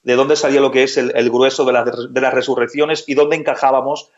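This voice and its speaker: A man's voice: mid-range voice, level tone, fairly quick, lo-fi sound. A man co-hosting a religious talk, chatting and affirming with amens. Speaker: co-host preacher. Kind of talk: casual religious chat.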